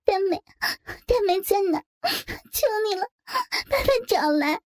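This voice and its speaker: A woman's voice: very high voice, expressive, measured pace, voice pushed up. A woman voicing a frightened young bridesmaid who is crying and pleading in a trembling, stammering voice. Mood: sobbing.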